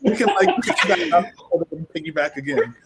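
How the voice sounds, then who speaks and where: A man's voice: fairly high pitch, fairly quick, heavy background noise. A man speaking casually as a writer on a discussion panel, offering advice. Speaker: audio drama writer and panelist.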